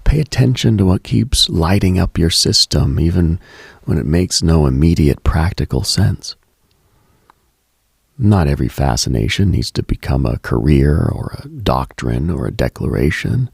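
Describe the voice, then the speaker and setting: A man hosting a late-night radio show, giving a slow, contemplative monologue with halting pauses in a husky, gravelly voice, close on the mic. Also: extremely low pitch, lively intonation, a little mellow, no echo. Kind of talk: reflective late-night spiritual monologue, ASMR-like.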